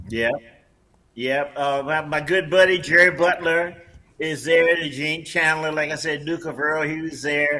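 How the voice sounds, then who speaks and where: This man's voice is fairly high, with a bright, sharp tone. He talks at a fairly slow pace with fairly even intonation. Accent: American. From Chicago, US Midwest. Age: 80s+. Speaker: retired singer and songwriter. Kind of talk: interview, telling life stories. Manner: halting, repeats words.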